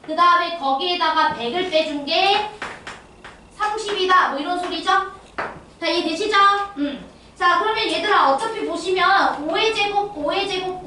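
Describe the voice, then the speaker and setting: Bright-voiced woman math teacher, echoey room. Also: sits high. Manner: checks understanding with constant tag questions. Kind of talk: lecture to exam students. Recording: echoey room, distant mic, faint noise.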